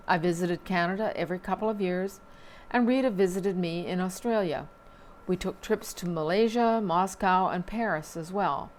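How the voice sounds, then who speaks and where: A woman reading local newspaper items aloud at a measured pace, with small slips and dry asides. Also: fairly low pitch, a little hiss or hum.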